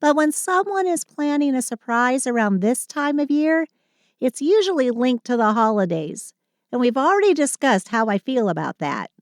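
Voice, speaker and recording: A woman's voice: sits high, sing-song, moderate pace, no echo, clean studio sound. A woman playing a short, sulky but affectionate Christmas elf in an intimate audio roleplay, with dramatic sighing complaints and fond endearments. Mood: wary.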